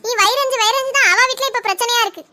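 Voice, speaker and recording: A woman plays a sharp-tongued mother-in-law who nags in a very high, bright voice. She talks fast and runs from mockery into loud self-pitying wails. It is a comic family skit. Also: heavily acted. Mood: scolding.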